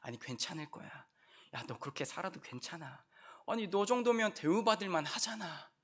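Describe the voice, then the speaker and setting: Man doing a whispered role-play, sly devil serpent, hushed, sweet-talking, tempting. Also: high-pitched, lively intonation, fairly quick. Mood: coaxing.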